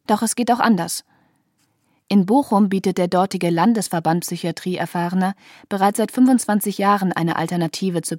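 A woman reading scripted documentary narration in an even, informative way. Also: mid-range voice, no room sound, studio quality.

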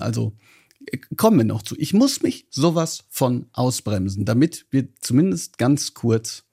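A man at middle pitch with a husky, gravelly voice, hosting an interview. He asks long questions that wander through asides before reaching the point. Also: warm tone. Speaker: podcast host, interviewer.

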